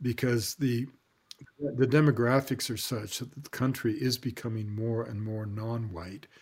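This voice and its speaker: On a very clean recording with a silent background, a man with a somewhat breathy, medium-pitched voice talks at a fairly slow pace with fairly even intonation. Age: 60s. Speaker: anthropologist and author. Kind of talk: interview.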